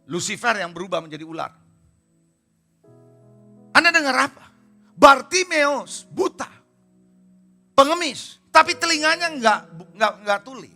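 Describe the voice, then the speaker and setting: High, bright-voiced man preaching. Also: very animated, measured pace, long pauses, faint music behind. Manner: emphatic, keeps asking the congregation rhetorical questions. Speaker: pastor. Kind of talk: sermon. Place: church service.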